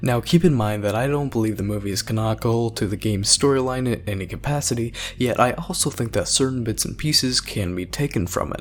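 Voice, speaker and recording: A man talks at a very fast pace with hardly any pauses. His voice is somewhat breathy. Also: medium pitch for a man, ordinary pitch variation. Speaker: YouTuber, game theorist. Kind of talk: scripted narration. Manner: soft-spoken.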